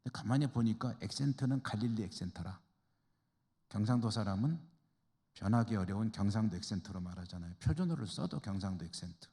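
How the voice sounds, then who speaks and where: A man's voice: fairly low pitch, brisk, mellow. A man, a pastor from the Chungcheong region, teaching a church Bible study in a conversational way and asking the class rhetorical questions. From Chungcheong, Korea. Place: church hall. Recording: reverberant church hall.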